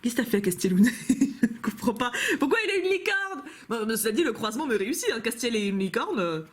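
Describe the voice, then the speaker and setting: In a sing-song, fairly high voice and at a fast pace, a young woman chats through opening fan-made cards at home. This camcorder-recorded unboxing from a YouTuber is casual, gushing and playful, with frequent laughs.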